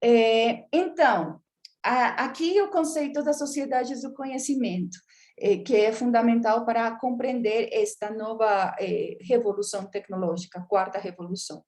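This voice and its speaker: A woman's voice: fairly high pitch, normal speed, a little mellow. Hesitant woman lecturing, frequent fillers. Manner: hesitant, many filler sounds while searching for words. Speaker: academic lecturer. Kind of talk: academic lecture with slides.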